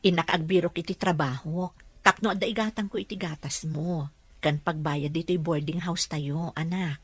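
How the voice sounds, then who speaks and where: A woman playing a humble, hard-up mother and household helper in a radio drama, gentle and deferential. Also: fairly low pitch, fairly even intonation, moderate pace, slightly rough. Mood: gentle, motherly.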